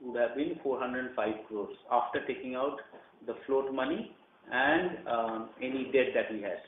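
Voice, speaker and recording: A man's voice: medium pitch, normal speed. Male executive, sounding far from the mic over thin telephone audio. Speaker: company executive answering analysts. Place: conference phone call. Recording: echoey, distant, noisy phone line.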